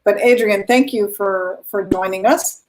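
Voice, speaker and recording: A woman's voice: medium pitch, a little slow, darkish tone, low-quality recording. A woman hosting a live online event, chatting casually and greeting viewers.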